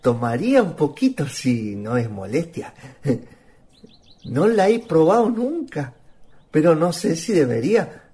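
A woman playing a shy, courteous young man with a husky voice and a Chilean accent in a radio play, speaking politely and haltingly. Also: low-pitched, sing-song, warm tone, exaggerated voice. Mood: bashful, grateful. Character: shy, courteous young male visitor from town.

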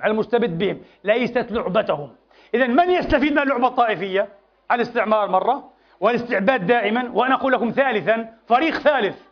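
Fiery male preacher, high voice, rapid emphatic delivery, dull lo-fi mosque recording. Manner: impassioned, emphatic, repetitive rhetoric. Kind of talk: Friday sermon.

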